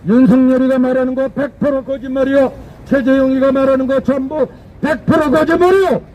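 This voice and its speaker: A man's voice: very high-pitched, fairly even intonation, a little fast, dark tone, rough recording. A man delivering an emphatic, declamatory political rally speech outdoors, repeating phrases for effect. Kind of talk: fiery political street speech.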